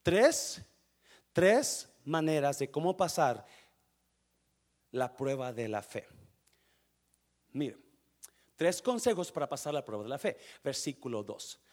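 Male preacher, sermon, high-pitched, very animated, questions to the congregation, English words slipped into Spanish. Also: takes it slowly, long pauses. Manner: swings from quiet asides to loud bursts. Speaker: pastor.

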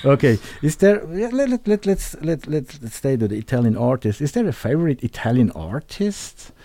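Lively man hosting a radio chat. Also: mid-range voice, moderate pace, gravelly, no room sound. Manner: chatty, enthusiastic, repeats words while searching for them. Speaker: radio host. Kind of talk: live radio interview.

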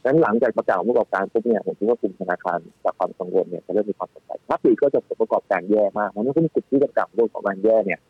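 A man giving casual, animated stock-market talk as a guest analyst, with many restarts and fillers. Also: lowish voice, rapid-fire, hardly any pauses, slightly rough, dry recording. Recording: tinny phone-line audio, faint music.

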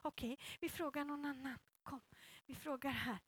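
A woman telling a Bible story to children in a playful, animated way and bringing up child volunteers. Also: high voice. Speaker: children's church leader.

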